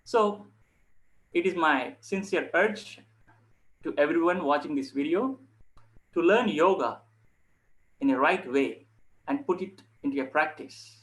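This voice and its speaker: Higher-pitched man, earnest yoga instructor. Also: lively intonation, measured pace, pauses often, a bit bright, low-quality recording. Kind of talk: informal instructional talk to online viewers.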